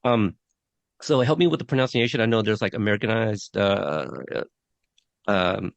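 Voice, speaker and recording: A man's voice: on the low side, moderate pace, creaky, no room sound. A man in his thirties hosting a podcast, chatting casually with many fillers and restarts. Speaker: podcast host. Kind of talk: casual interview chat.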